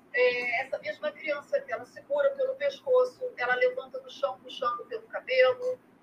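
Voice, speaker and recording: At a moderate pace, a woman speaks with hardly any pauses. Her loudness swings widely. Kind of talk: testimony. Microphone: poor connection.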